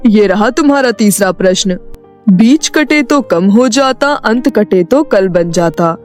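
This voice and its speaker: A woman voicing a magical talking house, a formal and commanding riddle-setting gatekeeper in an animated story. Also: medium pitch, unhurried, natural voice. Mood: riddling. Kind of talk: animated Hindi moral story acting. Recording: music behind the voice.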